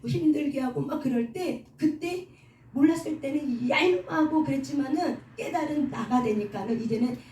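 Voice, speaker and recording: A woman's voice: high-pitched, normal speed, dark tone. A middle-aged woman preaching a sermon at a prayer house. She keeps asking the congregation rhetorical questions and has them repeat lines after her. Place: prayer hall indoors. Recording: echoey hall, voice from far off, faint background noise.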